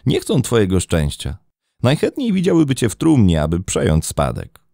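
A man voicing a smooth-talking, manipulative older man who speaks slowly and patiently. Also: mid-range voice, huge pitch swings, mellow, no room sound, studio quality, voice pushed up. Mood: coaxing.

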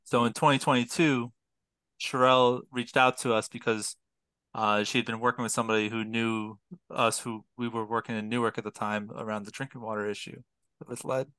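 A man's voice: medium pitch, flat delivery, brisk, pushed and bright, smooth, no room sound. A young man explaining research in detail on a video call, with frequent fillers and restarts. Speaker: public health PhD student, guest. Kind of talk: explanatory interview talk. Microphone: headset on video call.

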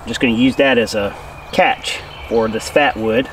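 A man's voice: mid-range voice, moderate pace. A man in his forties, a bushcraft host, casually explaining what he does while he works at a forest campsite. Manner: relaxed, talks while working with hands. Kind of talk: casual outdoor instruction. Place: outdoors in a forest camp. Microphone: camera a few feet away. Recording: voice a bit distant with faint outdoor noise.

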